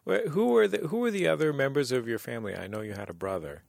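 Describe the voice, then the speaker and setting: A man hosting a radio interview show, asking calm, curious questions. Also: medium pitch, fast, gravelly, no echo, studio quality. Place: radio studio.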